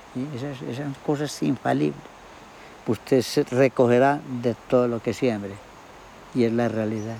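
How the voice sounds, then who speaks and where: A man's medium-pitched, dark and mellow voice, fairly slow in pace, with ordinary pitch variation and long, frequent pauses. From Colombia, rural Antioquia (Gómez Plata). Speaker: farmer. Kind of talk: interview storytelling.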